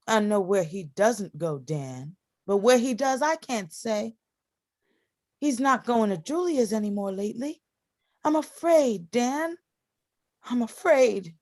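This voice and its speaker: Woman acting a high-voiced, slow, anxious young sister. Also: lively intonation, a little mellow. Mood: worried. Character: frail, timid, anxious twenty-year-old sister, gentle and devoted. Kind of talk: stage play reading. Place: video call play reading.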